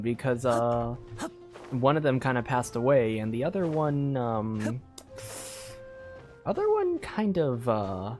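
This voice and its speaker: A game streamer talking slowly over the game's background music. They ramble and chuckle in a relaxed mid-pitched voice. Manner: rambling, laughing. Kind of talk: casual gameplay commentary.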